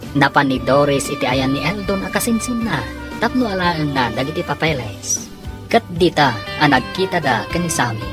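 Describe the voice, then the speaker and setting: Low, expressive Filipino woman radio announcer. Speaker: radio drama announcer and narrator. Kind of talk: dramatic scripted radio narration in Ilocano. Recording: music under the voice. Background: music.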